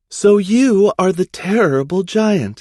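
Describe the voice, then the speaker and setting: A put-on character voice speaks at a middle pitch and a fairly slow pace. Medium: read story. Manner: smooth, commanding.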